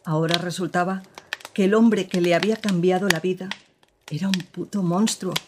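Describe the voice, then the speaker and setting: An actress playing a woman who gravely recounts her partner's past in an audio drama, with measured, serious storytelling. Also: lowish voice, steady tone, background noise, close to an everyday voice.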